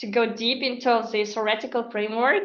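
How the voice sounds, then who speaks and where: Her voice fairly high in pitch, a woman speaks at a moderate pace with ordinary pitch variation. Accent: non-native. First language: not English. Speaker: PhD researcher presenting. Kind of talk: academic seminar presentation. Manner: halting, many fillers.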